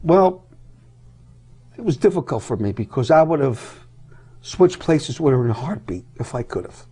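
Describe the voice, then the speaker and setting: Warm-voiced middle-aged man telling a dramatic story. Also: mid-range voice, animated, normal speed, breathy edge. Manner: dramatic, acts out each person's lines in the retelling. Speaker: guest on a TV talk show. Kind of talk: emotional personal storytelling. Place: TV studio.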